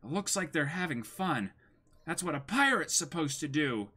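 A man's voice: on the high side, sing-song, moderate pace, pushed and bright, breathy edge. A man in his twenties chatting casually and making jokey commentary as co-host of a comic reading. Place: indoors, small room against a backdrop.

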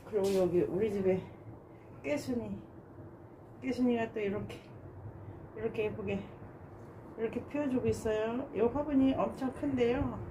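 A woman with a mellow, warm voice talks in a relaxed, casual way as she shows her balcony plants, sighing softly in admiration. A faint hum of ambient noise sits behind her. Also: fairly high pitch, normal speed, long pauses. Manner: gushing and admiring, with soft sighs. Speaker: gardening vlogger. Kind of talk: casual narration while showing plants. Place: home balcony garden.

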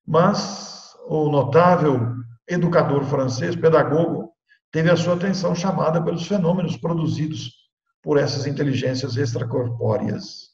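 Older Brazilian man lecturing in an echoey room. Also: a little high. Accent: Brazilian Portuguese. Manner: measured, emphatic phrasing with dramatic pauses. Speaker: spiritist lecturer. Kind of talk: devotional lecture. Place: indoor room at home. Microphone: laptop webcam, video call framing. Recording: echoey room, long reverb, dull lo-fi sound.

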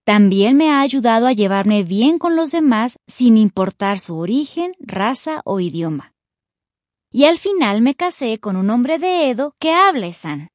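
A woman's voice: on the high side, sing-song, measured pace, no echo, studio quality. A woman from Nigeria reading her own personal testimony in a heartfelt way. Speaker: testimony speaker.

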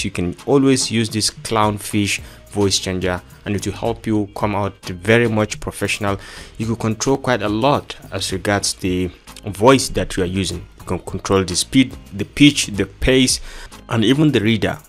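A man with a fairly low voice walks through a screen-recorded software tutorial. His phrasing is formal and instructional. Music plays clearly behind him. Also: moderate pace. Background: background music.

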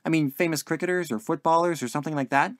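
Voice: mid-range voice, quick pace, no room sound, clean studio sound, pitched above the performer's own voice, lightly acted. A narrator voicing a polite, earnest young man in a story, hesitant and puzzled as he searches for his words. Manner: hesitant, searching, well-mannered.

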